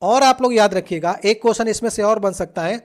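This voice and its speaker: A patient exam coach works through practice questions one at a time. The voice sits at a middle pitch and keeps returning to the main points. It pauses often to check that the listener is following. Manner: patient, repetitive explaining with frequent check-ins. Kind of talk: exam-prep lesson walking through past questions.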